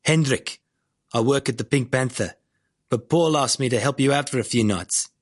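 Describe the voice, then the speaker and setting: A man's voice: medium pitch, moderate pace, husky, lightly acted. A man doing a clipped South African doorman. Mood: blunt. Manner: clipped, blunt. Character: short skinny South African man, curt.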